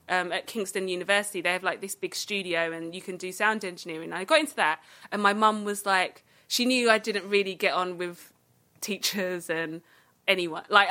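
A woman's voice: medium pitch, bright, forceful tone. A woman with an Essex accent chatting casually as an interview guest, bubbly, self-deprecating and a little dramatic as she tells anecdotes. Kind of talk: casual chat, telling anecdotes.

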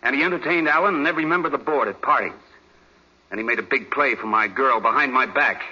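A man's voice: mid-range voice, fast talker, pushed and bright, husky. An American actor playing a bitter, boastful, resentful young man in a 1940s radio drama. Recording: muffled vintage 1940s radio recording.

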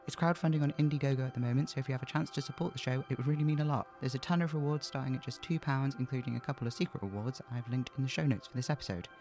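A man's voice: mid-range voice, very fast, hardly any pauses, a little mellow, soft background music. A man giving a chatty, informal podcast announcement as the show's host. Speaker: audio drama podcast creator and host. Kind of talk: scripted podcast outro, casual announcement.

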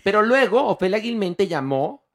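A woman's voice: medium pitch, big pitch swings, normal speed, a bit bright. A woman hosting a casual interview, prompting her guest and reacting. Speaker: host.

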